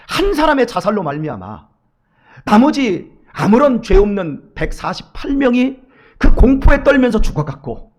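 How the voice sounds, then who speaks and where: A male pastor preaching a sermon in a church, acting out quoted voices and swinging between loud urging and hushed asides. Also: high-pitched. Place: church sanctuary.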